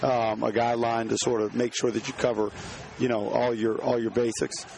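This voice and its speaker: A hoarse man, a home builder, answering interview questions on site with many restarts and fillers. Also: medium pitch, little pitch movement, moderate pace, noisy background.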